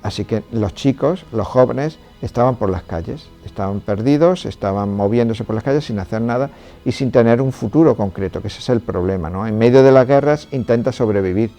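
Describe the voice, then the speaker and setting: A man from Córdoba, Spain, a priest giving a measured, explanatory testimony in an interview. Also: medium pitch, mellow, soft background music. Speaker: Trinitarian priest and charity president.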